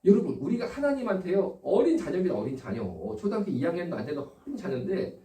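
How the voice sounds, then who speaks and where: A man's voice: sits high, big pitch swings, fast, dark tone. A middle-aged man preaching a sermon, telling stories and throwing rhetorical questions at his congregation. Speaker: pastor. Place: church hall. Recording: echoey room, distant from the mic.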